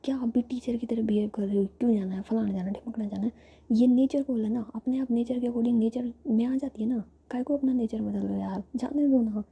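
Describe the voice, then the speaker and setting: A woman's voice: fairly high pitch, fairly even intonation, fairly quick, creaky, mellow, husky, full character voice. A woman whispering the lines of a flustered young woman who pleads and grumbles. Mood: exasperated. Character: young woman torn between work and her partner.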